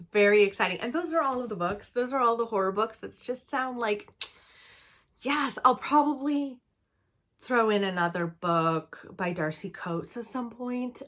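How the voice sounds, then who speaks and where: A woman's voice: mid-range voice, fairly bright tone. A young woman from Canada in a casual book-review vlog, chatty and enthusiastic, with lots of "um" and "like". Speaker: book vlogger.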